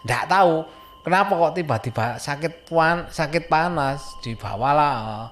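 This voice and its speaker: A man's voice: medium pitch, fairly bright tone, slight background noise. A man casually telling a spooky true story, full of fillers and self-corrections. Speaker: storyteller recounting a childhood event. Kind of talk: casual spoken horror storytelling.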